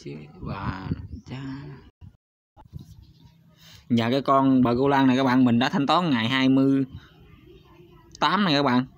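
In a steady, mid-range voice, a man running a YouTube channel talks viewers through a screen recording fairly quickly, broken by long pauses. He is chatty, hesitant, full of fillers, and keeps turning to his audience. A little hiss or hum sits under the slightly dull, lo-fi sound.

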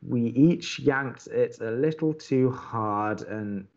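A man playing a conciliatory young college radio co-host in an audio drama, placating and a little hesitant, expressive when reading aloud. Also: mid-range voice, takes it slowly, muffled recording. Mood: reading letters.

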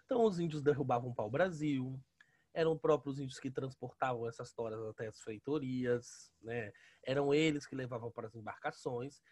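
A man's voice: mid-range voice, moderate pace, a little mellow. A Brazilian man in his thirties with a sore, inflamed throat, casually explaining as a teacher on a headset in an online lesson, often adding tag questions. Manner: colloquial, often adding "né" and "tá" tags. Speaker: history teacher. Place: small room at home, indoors. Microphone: headset on a video call.

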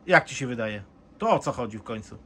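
Husky man coaxing insistently. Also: mid-range voice, expressive, a little fast, pushed and bright. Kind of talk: casual chat.

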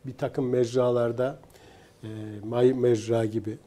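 Mellow, measured male guest. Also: medium pitch, little pitch movement. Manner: measured, earnest, hesitant fillers. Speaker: guest producer. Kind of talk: casual studio conversation.

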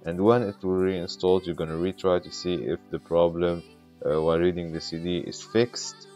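A man with a very deep voice talks the viewer through each step of a casual tech tutorial. His voice comes through a glitchy, bitcrushed mic that makes it sound robotic. Soft music plays faintly behind him. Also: little pitch movement, normal speed.

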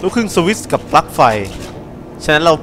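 A young man with a slightly high voice plays a horror game and talks back at it in brisk, casual, crude, joking commentary. Background noise can be heard.

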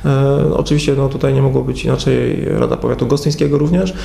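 A man in his forties, a county head, answering in a local TV studio interview, measured and full of hesitations. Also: medium pitch, steady tone, creaky, dark tone. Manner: measured, hesitant with many fillers. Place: TV studio at a table. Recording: echoey studio room.

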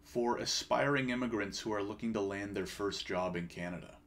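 A man's voice: lowish voice, normal speed, a bit bright. A man in his thirties hosting a conversational interview over a video call from a small room. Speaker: show host. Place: small room with bookshelves, indoors.

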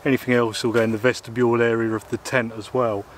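This fast-talking Englishman has a mid-range voice and a flat delivery as he casually reviews gear outdoors in the woods, full of ums and uhs. He moves in and beside a small tent, captured by a camera mic close and at mid distance with a little hiss or hum.

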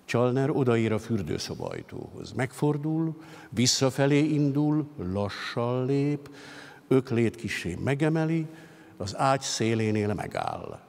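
A man reading literary prose aloud on stage, with steady, expressive storytelling. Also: mid-range voice, creaky. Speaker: reader. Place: concert hall stage at a literary gala. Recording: long hall reverb.

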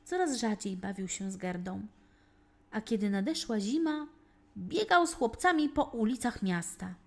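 A woman narrating a children's fairy tale as a storyteller, reading with dramatic, deliberate phrasing. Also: a little high, animated, gravelly. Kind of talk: scripted narration, expressive bedtime-story reading.

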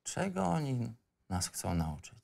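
A man's voice: medium pitch, very animated, unhurried, gravelly, darkish tone, exaggerated voice. An actor playing a disillusioned young man telling his life story in a colloquial, wry, rambling way. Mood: brooding. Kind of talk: first-person narration in a screenplay reading.

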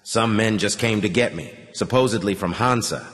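A man's voice: on the low side, normal speed, fairly bright tone, close to an everyday voice. Guy reading young guy begging everyone to leave, fired up, echoey hall. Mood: urgent. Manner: impassioned, urgent. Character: weary young man pleading to leave the tunnels. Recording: long hall reverb.

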